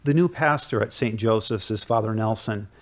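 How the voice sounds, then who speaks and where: A man acting a calm, measured counseling Catholic priest in an audio drama. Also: lowish voice, lightly acted. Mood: calm, advisory.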